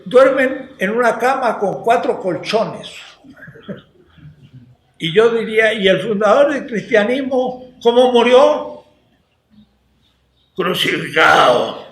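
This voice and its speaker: An older man from Latin America giving a university philosophy lecture, speaking slowly and deliberately and putting rhetorical questions to his class. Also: sits high. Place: lecture hall. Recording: echoey lecture hall.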